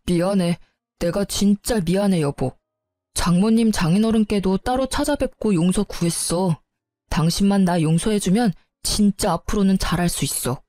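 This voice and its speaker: A regretful young husband pleads for forgiveness as a woman reader takes him on. The tone is mellow and warm, close and dry, with faint music under it. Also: mid-range voice, no room sound, natural voice. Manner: begging, apologetic.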